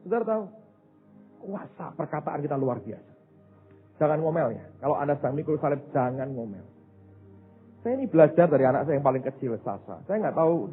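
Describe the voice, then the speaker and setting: A man from Indonesia preaching a sermon as pastor, telling stories and calling his listeners "saudara". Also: breathy edge. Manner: acts out a child's excited voice in high bursts. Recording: phone-like narrow sound with faint music.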